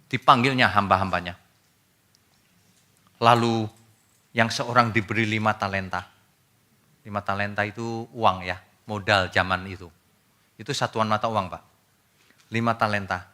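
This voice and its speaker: A man preaching a sermon as a pastor, talking casually and addressing the congregation directly, with loud emphatic bursts that drop to quiet asides. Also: fairly low pitch, fairly even intonation, unhurried, long pauses.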